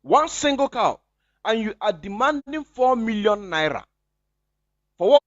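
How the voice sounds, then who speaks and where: A Nigerian man holds forth on a livestream in a high voice that leaps up and down. He talks slowly, stacking rhetorical questions. The sound is lo-fi and close, with no room at all. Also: very animated, dry recording. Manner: impassioned, repetitive rhetorical questions. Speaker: activist livestreamer. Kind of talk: livestream commentary.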